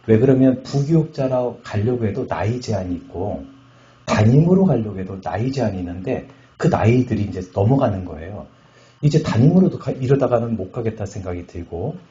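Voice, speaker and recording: A middle-aged man from Chungcheong Province, a pastor giving a testimony sermon at a revival meeting, telling his story with jokes and loud bursts. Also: lowish voice, a little hiss or hum. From Chungcheong Province, Korea. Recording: echoey hall, slightly muffled sound.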